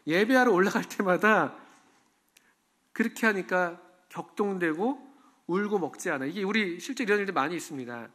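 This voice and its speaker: A man's voice: high-pitched, animated, fairly quick, fairly bright tone. A man preaching a sermon in a church, talking conversationally and asking the congregation questions. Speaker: pastor.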